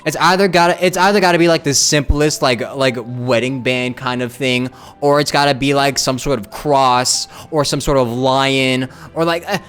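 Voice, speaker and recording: A man's voice: mid-range voice, fairly even intonation, moderate pace, hardly any pauses, fairly bright tone. A man streaming a game with casual, informal commentary, repeating phrases for emphasis. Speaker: live streamer. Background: game music.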